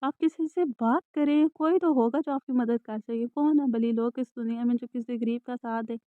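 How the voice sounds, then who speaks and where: A woman's voice: fairly high pitch, no echo, natural voice. A woman voicing a worried, despairing middle-aged mother in an audiobook, lamenting. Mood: urging. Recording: dry, tinny phone-like sound.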